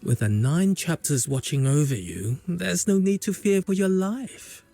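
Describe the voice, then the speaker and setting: An actor voicing a scheming, menacing black market debt collector in a video game, taunting and brash. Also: male voice, fairly high pitch, unhurried, warm tone, faint music behind. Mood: sly, taunting. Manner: taunting, swaggering.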